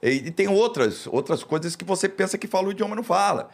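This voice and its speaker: A middle-aged Brazilian man with a Brazilian Portuguese accent, a TV presenter telling stories as a guest in a casual chat, animated, laughing often and swearing freely. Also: sits high, fast, creaky.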